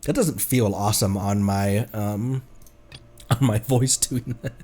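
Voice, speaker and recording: A man's voice: on the low side, fairly even intonation, takes it slowly, dark tone. A man chatting casually on a game livestream, playfully thinking aloud as he goes. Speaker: streamer.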